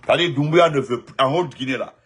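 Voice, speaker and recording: Husky, emphatic Guinean French man. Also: mid-range voice, fast. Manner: emphatic, repetitive, swings between loud outbursts and muttered asides. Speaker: political commentator. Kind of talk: spontaneous political commentary.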